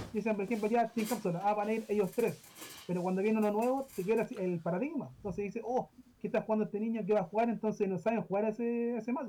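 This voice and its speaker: With a high pitch and ordinary pitch variation, a man's words come out at a very fast pace. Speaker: card game player. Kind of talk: casual chat.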